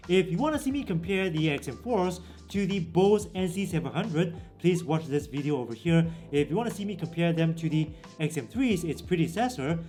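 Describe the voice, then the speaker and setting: A man's voice: on the high side, a little mellow. Casual man explaining headphone settings. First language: English. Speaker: tech reviewer. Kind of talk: product walkthrough.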